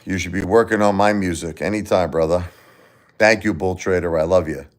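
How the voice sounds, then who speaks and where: A deep-voiced man from the United States chatting loosely on a livestream. He rambles, repeats himself and often restarts his sentences, and he speaks directly to the people watching. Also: fairly quick. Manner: rambling, repeats and restarts, talks straight to viewers. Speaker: livestream host. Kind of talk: casual livestream chat.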